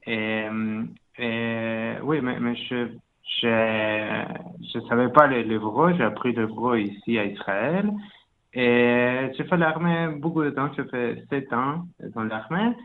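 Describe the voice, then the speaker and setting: A man's voice: mid-range voice, takes it slowly. A man from Argentina, speaking French hesitantly and searching for words. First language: Spanish. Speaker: language school founder. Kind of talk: casual interview talk. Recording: phone-like line with faint noise.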